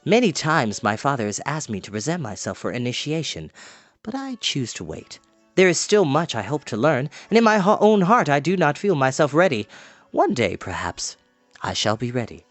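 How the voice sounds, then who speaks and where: A man voicing a noble, modest young warrior prince in a storybook, speaking in a courteous, measured way. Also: medium pitch, sing-song, no room sound, soft background music, natural voice. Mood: modest, thoughtful.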